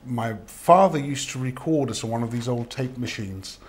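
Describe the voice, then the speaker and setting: A man, born in Cyprus, chatting as an actor guest in an interview and telling stories with many fillers. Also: mid-range voice. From born in Cyprus, raised in London. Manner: quick, chatty, with frequent filler hesitations. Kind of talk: relaxed interview storytelling.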